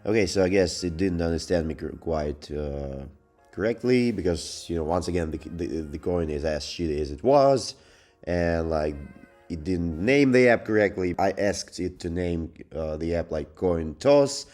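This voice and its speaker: A man's voice: deep voice, expressive, normal speed, darkish tone, faint music behind. A man giving casual, unscripted review commentary in a hesitant, rambling, sardonic way. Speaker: YouTube software reviewer.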